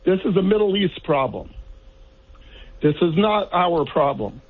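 A man's voice: high voice, sing-song, measured pace, breathy edge. A man from the Virgin Islands calling in to a radio show, making direct points one by one. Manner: direct, lists numbered points. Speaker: caller. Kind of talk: call-in radio question. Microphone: telephone. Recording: tinny phone line.

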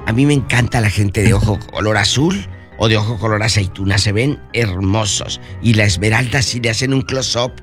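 A man's voice: fairly low pitch, moderate pace, soft background music. A man hosting a radio show, gossiping about celebrities in a campy, chatty and theatrical way. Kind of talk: gossip chat.

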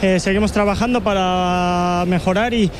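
A man, a footballer interviewed at halftime, answering hesitantly with pauses and fillers. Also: high-pitched, fairly even intonation, a crowd in the background.

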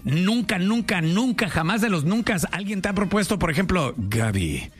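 Joking male radio host, slightly high voice, faint music bed. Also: expressive, breathy edge. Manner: teasing, joking, fast questions. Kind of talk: casual radio interview.

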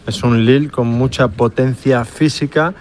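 A man analyzes a football team on radio, stopping now and then to find his words. His voice sits at a middle pitch for a man. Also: steady tone, a little slow, darkish tone, a little hiss or hum. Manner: analytical, a few hesitations. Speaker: football commentator.

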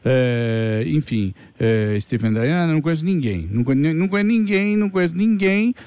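A man from Brazil hosting a radio quiz, chatting and joking with callers in quick banter. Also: on the high side, animated, a little mellow, clean tone, dry recording. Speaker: radio show host.

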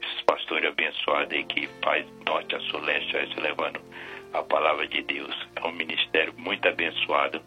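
A middle-aged or older Brazilian man from Bahia speaks as a radio caller. His voice is low in pitch but very sharp and forceful, with a chatty, informal delivery. Music plays faintly behind him. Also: little pitch movement, normal speed, rough recording. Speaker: caller to a radio prayer show. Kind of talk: casual phone-in chat. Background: music bed.

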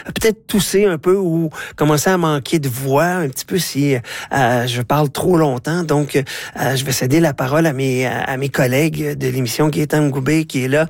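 A man's voice: on the high side, fairly even intonation, normal speed, vocal fry, dry recording. A middle-aged man with a Canadian French accent hosting a radio show, talking with a slight cold and many hesitant fillers. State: has a head cold, coughing a little. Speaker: radio host.

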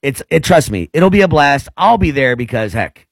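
A man's voice: a little high, very animated, moderate pace, no room sound. A man in his forties co-hosting a casual radio show, joking and plugging events. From United States. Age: 40s. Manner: playful, joking. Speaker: co-host. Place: radio studio.

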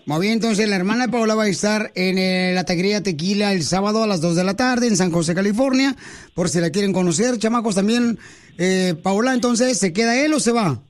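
Locutor de radio mexicano, voz muy aguda, bromista y pícaro, lleno de jerga. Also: male voice, high voice, brisk. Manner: teasing, joking, full of slang. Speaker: radio show host. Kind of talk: playful radio call-in banter.

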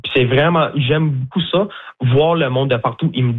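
A man's voice: medium pitch, normal speed, husky. A young man from Newfoundland, a bilingual guide at a botanical garden, answering interview questions in a chatty, hesitant way with many fillers. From Newfoundland, Canada. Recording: tinny phone line.

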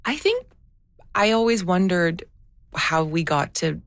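A low-pitched woman with a gravelly edge talks through her answers slowly and thoughtfully. She hesitates and restarts as she works out what she means. The recording is dry and close. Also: sing-song, dry recording. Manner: thoughtful, searching for words, many fillers and restarts. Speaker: documentary filmmaker, guest. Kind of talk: reflective interview answers.

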